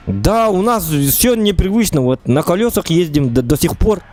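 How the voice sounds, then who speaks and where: A man streams an online role-play game, chatting playfully and casually, asking questions and repeating himself in improvised in-game talk. His voice sits high and is animated and darkish, at a measured pace. Faint music plays behind him.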